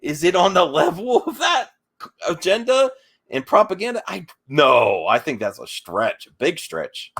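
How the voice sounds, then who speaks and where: A man arguing defensively in an unscripted online debate, speaking in a halting, argumentative way. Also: high voice, big pitch swings, fairly bright tone, husky. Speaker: debate guest.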